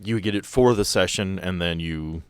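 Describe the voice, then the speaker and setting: A man's voice: sits low, moderate pace, slight background noise. A man running a tabletop game, casually explaining the rules to his players. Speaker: game master.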